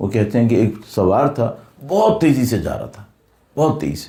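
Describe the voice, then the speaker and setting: A man with a dark, mellow tone speaks at a moderate pace, somewhat breathy and with lively intonation. Audible room echo surrounds his voice. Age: 50s. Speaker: Shia cleric. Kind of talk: religious sermon (majlis).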